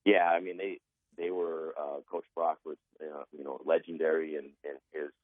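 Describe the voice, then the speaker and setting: A man in his forties from Arizona, a raspy-voiced guest speaking earnestly with many fillers over a phone line. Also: a bass voice, flat delivery, normal speed, no echo. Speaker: guest, athletic director. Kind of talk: phone interview.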